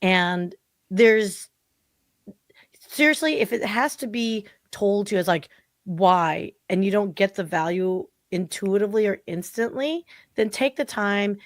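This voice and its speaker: Speaking a little slowly in a medium-pitched voice, a marketing consultant in her forties guests on a podcast for a casual interview chat. She's chatty and animated, full of "like" fillers. The sound is clean studio audio with no echo.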